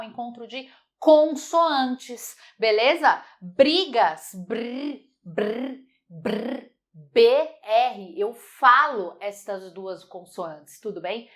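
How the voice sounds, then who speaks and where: Woman, grammar teacher, fairly high voice, emphatic, lively, online lesson. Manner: lively, emphatic, repeats words slowly to model sounds. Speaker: Portuguese teacher.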